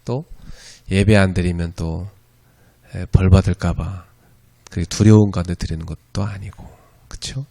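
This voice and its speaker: Gravelly low-voiced male pastor. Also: fairly even intonation, unhurried, pauses often, mellow. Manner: conversational, frequent "예" and "그죠?" asides to the audience. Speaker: pastor teaching an evangelism school. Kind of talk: sermon lecture. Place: church.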